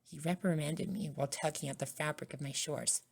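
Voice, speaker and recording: A woman narrating a scripted first-person ASMR story in a soft-spoken way. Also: low-pitched, steady tone, brisk, vocal fry, husky. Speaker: narrator and voice actor.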